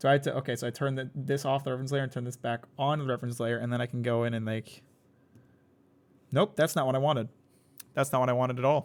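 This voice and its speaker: On a very clean recording with a silent background, a man at medium pitch talks very fast, broken by long, frequent pauses. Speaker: Twitch streamer. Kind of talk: live stream casual chat while drawing. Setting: live stream. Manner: animated.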